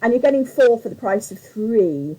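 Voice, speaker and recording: Mellow, slightly croaky woman. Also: fairly high pitch, lively intonation, normal speed, a little hiss or hum, rough recording. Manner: rambling and chatty, greets viewers by name. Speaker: craft tutorial host on a live stream. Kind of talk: chatty live craft demonstration.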